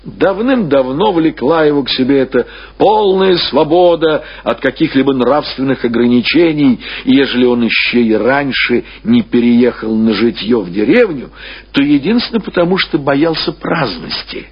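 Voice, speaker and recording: Man, literary narration, lively swooping intonation, deliberate phrasing, slightly husky, dull radio recording. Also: medium pitch. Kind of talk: scripted literary narration, audiobook or radio reading.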